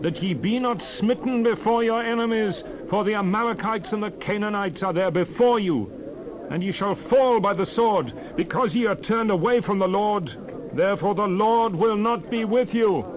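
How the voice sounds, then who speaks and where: A man's voice: high voice, normal speed, lightly acted, rough recording. A man playing a scolding, alarmed leader warning his people, urgent and declamatory, in a Bible drama. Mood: urgent reproach. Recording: crowd noise behind the voice.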